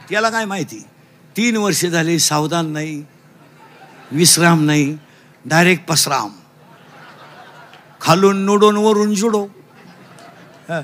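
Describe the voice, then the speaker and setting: High gravelly comic preacher. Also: male voice. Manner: shouting call-and-response with children; mixes broken English into lectures. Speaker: kirtan preacher. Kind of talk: comic kirtan sermon.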